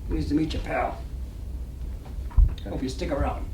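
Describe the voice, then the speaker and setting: A man's voice: fairly high pitch, unhurried, darkish tone. A man playing a cynical small-time gambler and wise guy in a live play reading, with slangy, clipped tough talk. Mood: brash, guarded. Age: middle-aged. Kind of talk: live dramatic stage reading. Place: library reading room. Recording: echoey room, distant mic, background noise.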